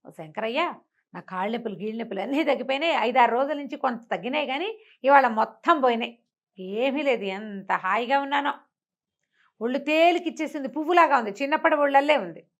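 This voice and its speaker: A woman's voice: high voice, expressive, a little fast, lo-fi sound, voice pushed up. A woman telling of an effusive, grateful demon man. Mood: elated relief. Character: grateful male demon, relieved of his aches.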